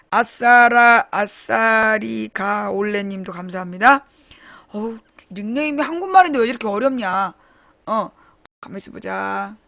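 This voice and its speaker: A woman's voice: on the high side, fairly bright tone, no room sound. A middle-aged woman hosting a casual live-stream talk show, thanking viewers by name, chatty, with sudden bursts of mock outrage. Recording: music playing behind.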